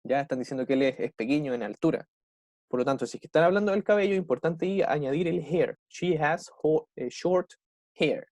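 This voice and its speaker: A young man with a Chilean Spanish accent teaches English vocabulary over a video call. His voice sits a little high, and the sound is close and dry. He slows carefully on each English example. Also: lively intonation, a little mellow, no echo. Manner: keeps checking in with "¿cierto?" and "¿ya?"; slows right down to model English phrases. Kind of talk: online class explaining vocabulary.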